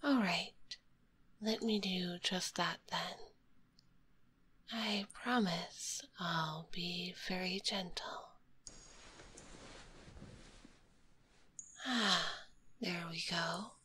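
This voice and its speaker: Woman as a slow, whispering, shy spider girl. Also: fairly low pitch, exaggerated voice. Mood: gentle, cozy. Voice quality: soft, breathy whisper. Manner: gentle, formal, polite, slow and drowsy. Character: kind, shy, sleepy, lonely female spider monster. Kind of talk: ASMR roleplay. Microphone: close binaural microphone. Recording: close binaural recording, faint background noise.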